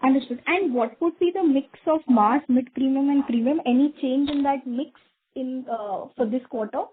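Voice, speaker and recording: Over a thin, phone-like connection with some noise comes a woman's fairly high voice. She questions like a financial analyst, politely probing for detail. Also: moderate pace. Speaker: analyst questioner on an earnings call. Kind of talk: business question-and-answer. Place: conference call over phone. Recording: phone line with clear hiss and clicks.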